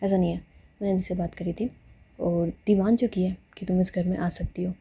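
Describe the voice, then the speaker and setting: A woman's voice: on the low side, flat delivery, fairly quick, dark tone, slightly rough, voice pushed down. A woman voicing a playful, sarcastic young woman who teases her girlfriend. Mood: teasing. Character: teasing, bossy young woman in love.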